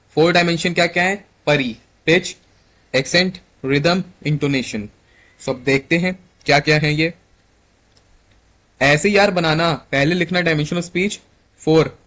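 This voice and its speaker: Male exam tutor, indian english accent, slightly high voice, reads slides slow then chats, keeps asking "clear?". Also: a bit bright. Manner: reads English slide text slowly, then explains chattily; keeps checking in with "clear?" and "ठीक है". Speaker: exam-prep teacher. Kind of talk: casual Hinglish lecture.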